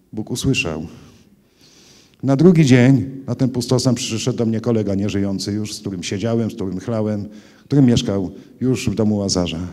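A man giving an earnest personal testimony to a congregation, moving between hushed recollection and loud cries. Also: medium pitch. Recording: long hall reverb.

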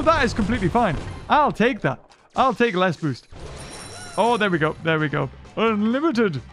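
A man giving excitable, rambling let's play commentary into a desk microphone, thinking aloud as he plays. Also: high-pitched. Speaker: gaming commentator.

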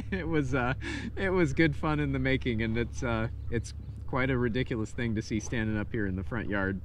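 A man's voice: mid-range voice, moderate pace. A man in his thirties chatting casually as an amateur radio operator, with an easy, friendly manner. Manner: relaxed, friendly, uses phonetic spelling. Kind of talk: casual radio contact chat. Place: front yard, outdoors. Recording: outdoor recording with clear background noise.

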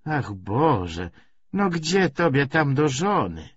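A man's voice: mid-range voice, big pitch swings, slow pace, fairly bright tone, highs cut off, slight background noise, pitched above the performer's own voice. A man voicing a worried old village woman with plaintive, rustic speech. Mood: gently chiding. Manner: rustic dialect, plaintive exclamations. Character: worried old village woman, lamenting over her son.

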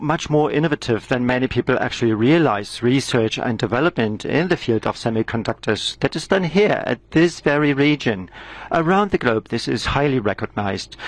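A male interpreter renders a speech into English live, hesitating with frequent fillers. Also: medium pitch.

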